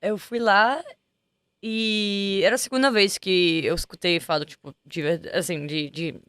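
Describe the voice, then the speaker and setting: A woman chats in a studio interview. Her voice is smooth and resonant, and the sound is close and dry. She talks casually and keeps restarting as she reaches for the right word. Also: medium pitch, fairly even intonation, measured pace, a bit bright, dry recording. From Italy. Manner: chatty, searches for words with many restarts. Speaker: guest singer. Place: music studio.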